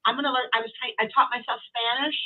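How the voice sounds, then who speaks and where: A woman's voice: on the high side, steady tone, quick pace, faint music behind. A middle-aged woman guest chatting casually on a live stream, telling stories and acting out what people said. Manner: chatty storyteller, acts out quotes. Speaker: guest tarot reader. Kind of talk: casual livestream chat. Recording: tinny phone-like call audio.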